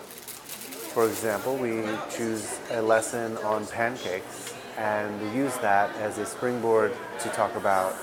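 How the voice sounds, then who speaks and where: A man who teaches a cooking class, explaining its aims in a measured way. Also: lowish voice. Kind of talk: interview.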